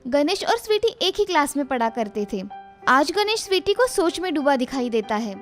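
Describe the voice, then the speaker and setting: A woman narrating a moral cartoon story in a plain, steady storybook manner. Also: sits high, normal speed, faint music behind.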